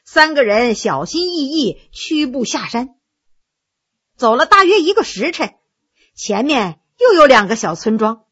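Woman storyteller, really lively and sing-songy, high bright voice, dramatic phrasing. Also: a little slow, breathy edge, lo-fi sound. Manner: animated, rhythmic, dramatic phrasing. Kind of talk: traditional oral storytelling.

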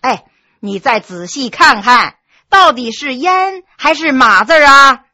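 A bookish male scholar, as a woman storyteller plays him, chanting old text slowly and explaining with patient calm. The voice stays bright and a little husky. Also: high voice, dry recording, clean studio sound, full character voice. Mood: patiently explaining.

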